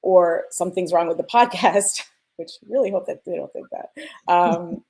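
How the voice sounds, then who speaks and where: A woman's voice: lowish voice, moderate pace, gravelly, dark tone. A woman sound designer speaking as a panel guest, explaining technical craft in a conversational way and illustrating her points with examples.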